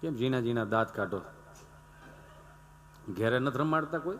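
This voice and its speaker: A man's voice: medium pitch, normal speed, a bit bright, slight background noise. A man telling folk comedy stories on stage with a Gujarati accent, acting out village characters in raised voices. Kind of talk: folk stand-up storytelling.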